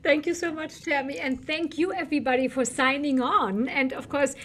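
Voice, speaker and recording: A woman in her forties with a German accent, a historian giving an animated lecture over a video call from a small office. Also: high voice, normal speed, a little hiss or hum. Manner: animated, laughing, with short fillers. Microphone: podcast mic on desk, video call.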